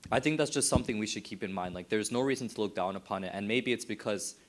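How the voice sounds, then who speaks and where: A man's voice: fairly low pitch, quick pace. A young man with an American accent, a student earnestly giving his opinion at a youth dialogue. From United States. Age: young adult.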